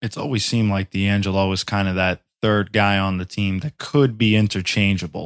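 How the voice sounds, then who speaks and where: With a New York accent, a man talks at a fairly quick pace and fairly low pitch, with hardly any pauses, in a dry, close sound with no echo on a very clean recording with a silent background. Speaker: podcast host, NBA writer. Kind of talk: casual interview.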